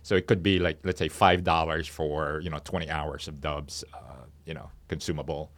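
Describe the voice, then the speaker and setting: A man speaking as a company founder and interview guest in a studio, explaining in a halting way as he pieces his thoughts together. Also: a bass voice, fairly even intonation, fairly bright tone. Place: podcast studio.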